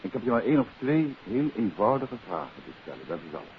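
Confident gentleman sleuth, old radio play, pitch moves a lot, dull hissy recording. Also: sing-song, quick pace. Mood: reassuring, firm. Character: calm, confident gentleman amateur detective. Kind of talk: 1950s radio drama acting.

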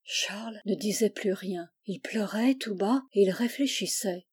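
A woman narrating a classic novel in measured storytelling. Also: mid-range voice, a little mellow, husky. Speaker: audiobook narrator.

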